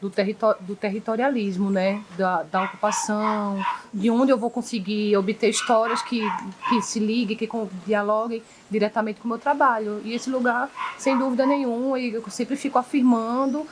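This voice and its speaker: A woman's voice: on the high side, steady tone, moderate pace, few pauses. Pernambuco woman, thoughtful and hesitant. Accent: Pernambuco Portuguese. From Recife area, Brazil. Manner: thoughtful, many restarts and "né". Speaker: graffiti artist guest. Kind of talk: casual interview answers. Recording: faint background noise.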